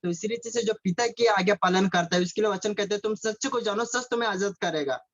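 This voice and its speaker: A man with a high-sitting voice preaches a sermon over a video call at a fairly quick pace. He repeats phrases, asks his listeners questions and mixes in English words. The call audio is dull and lo-fi.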